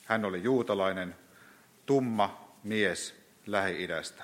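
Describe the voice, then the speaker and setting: This man has a fairly low pitch and fairly even intonation. He talks at a very slow pace. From northern Finland, Kainuu (Vaala, Oulujärvi). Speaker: pastor. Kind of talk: sermon.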